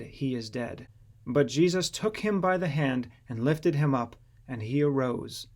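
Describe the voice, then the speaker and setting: Male narrator for scripture audiobook, somewhat higher-pitched voice, measured and solemn delivery.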